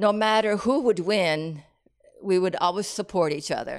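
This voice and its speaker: A woman with a Northeastern American accent and ordinary pitch variation. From upstate New York. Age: 80s+. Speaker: masters track and field athlete. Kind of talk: interview. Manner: halting.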